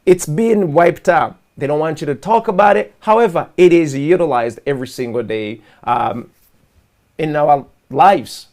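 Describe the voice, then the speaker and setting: A man's voice: on the high side, a little slow, darkish tone. Earnest man from Rwanda explaining. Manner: earnest, explanatory, with frequent restarts. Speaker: host. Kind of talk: political commentary monologue. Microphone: live video call.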